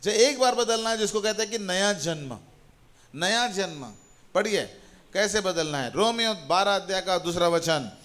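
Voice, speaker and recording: A man's voice: sits high, animated, normal speed, a bit bright. A middle-aged man preaching a sermon as a pastor, repeating phrases and calling out hallelujah to the congregation. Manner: repetitive, exhorting, calls out hallelujah.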